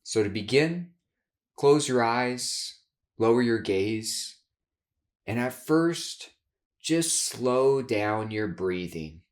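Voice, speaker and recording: A man leading a guided meditation in a soothing, measured way, giving gentle instructions with long pauses. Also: medium pitch, expressive. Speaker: guided meditation leader, therapist.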